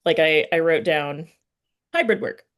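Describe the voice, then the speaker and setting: Low-voiced woman interviewing casually. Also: measured pace, fairly bright tone. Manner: informal, rambling, thinking aloud. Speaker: podcast interviewer and writing teacher. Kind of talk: casual, conversational literary interview.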